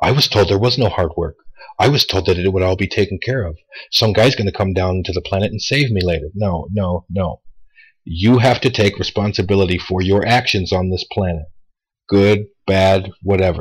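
Very deep and low in pitch, a man's somewhat breathy voice moves at a moderate pace with ordinary pitch variation. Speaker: video creator discussing spirituality. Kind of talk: solo monologue. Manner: casual, conversational. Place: home room. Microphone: headset.

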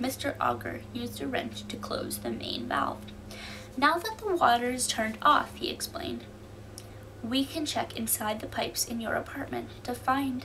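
Noticeable background noise runs behind a woman who talks at a fairly slow pace. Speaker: storybook reader. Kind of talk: reading a children's story aloud. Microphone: camera far.

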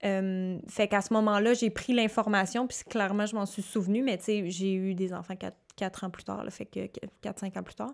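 The pace is fairly slow as a woman talks. Behind her, the background stays quiet. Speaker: podcast guest. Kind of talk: interview answer. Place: studio. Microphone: studio mic.

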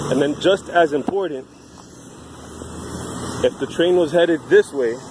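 Moderate-paced speech with a dry, echo-free sound and noticeable background noise. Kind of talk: tutorial. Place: open country. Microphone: phone near.

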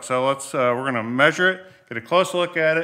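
With ordinary pitch variation, a man moves at a fairly quick pace over a quiet background. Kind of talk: casual vlog chat. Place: garage. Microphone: phone near.

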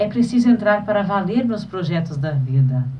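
A woman's voice moves through very wide pitch swings. Light background noise sits behind her. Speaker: voice-over announcer. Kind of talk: inspirational message reading. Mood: warm, inspirational. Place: studio.

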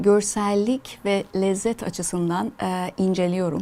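A woman is speaking. Her tone is dark and mellow. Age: 30s. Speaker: chocolate brand founder, nutrition specialist. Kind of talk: interview. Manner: halting, many fillers.

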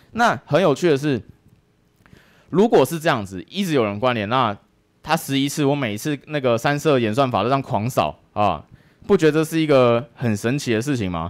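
A man speaks in an animated tone at a medium pitch. His intonation is lively. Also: moderate pace. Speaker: conference speaker, software engineer and YouTuber. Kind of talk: technical conference talk. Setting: stage with audience. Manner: casual, joking, animated.

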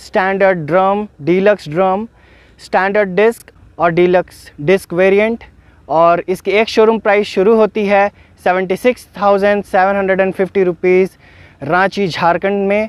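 Very slowly and in a monotone, flat way, a man speaks at a high pitch in a dry sound with no echo. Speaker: scooter reviewer. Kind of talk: casual vlog review. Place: open country. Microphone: phone near.

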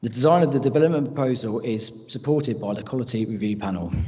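Against a quiet background, a man speaks in a dark, mellow tone. His voice is somewhat breathy. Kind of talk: formal presentation. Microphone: video call.

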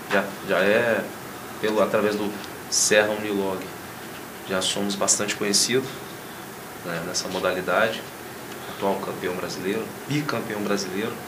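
Amid noticeable background noise, a man speaks with fairly even intonation and long, frequent pauses. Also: moderate pace. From Espírito Santo, Brazil. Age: 30s. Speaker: football goalkeeper. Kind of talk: studio interview. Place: studio. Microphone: lapel.

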